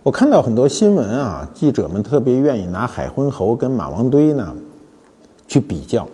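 A man's voice: mid-range voice, very animated, moderate pace, warm tone, breathy edge, in a large hall. An older man, hosting a casual talk on antiques with wry, storytelling asides. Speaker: host of a web talk show. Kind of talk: casual spoken lecture on antiques.

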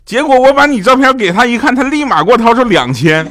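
A man's voice: medium pitch, fast talker, background noise, close to an everyday voice. Man voicing a gleeful chattering mother. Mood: excited. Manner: excited, chattering. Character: gleeful gossiping middle-aged mother.

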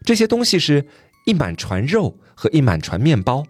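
A man voicing a talking white horse in a fairy tale, giving steady advice. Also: fairly high pitch, moderate pace, husky, no echo, soft background music, pitched above the performer's own voice, full character voice. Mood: calm advice. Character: talking white horse, calm wise helper. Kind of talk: storytelling podcast, retelling a tale.

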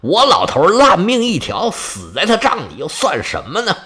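A man voicing a stubborn old king, a grieving father who talks in a gruff, headstrong way. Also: high-pitched, huge pitch swings, normal speed, bright, forceful tone, heavily acted. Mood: weary.

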